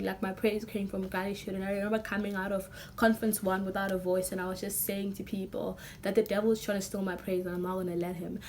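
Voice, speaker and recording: A young woman with a hoarse, nearly lost voice, talking excitedly and rambling with many fillers in a casual vlog. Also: mid-range voice, slight background noise. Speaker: vlogger.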